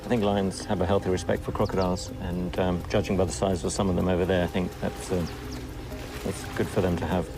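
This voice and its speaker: Man, nature documentary field commentary, very deep voice, hesitant informal wording, strong music underneath. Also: flat delivery, fairly quick. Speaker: wildlife field expert.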